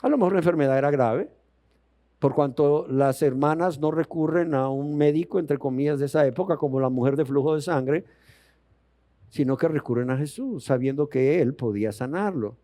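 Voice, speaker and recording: A man's voice: fairly high pitch, moderate pace, dark tone, no echo. A man preaching a sermon as pastor, emphatic and full of rhetorical questions, acting out scripture dialogue in his own voice.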